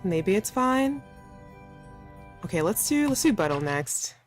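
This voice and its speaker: A woman's voice: mid-range voice, big pitch swings, a little slow, faint music behind. A woman playing a visual novel and commenting casually, thinking aloud in a playful, slangy, informal way. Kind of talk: casual let's play commentary with read-aloud game dialogue.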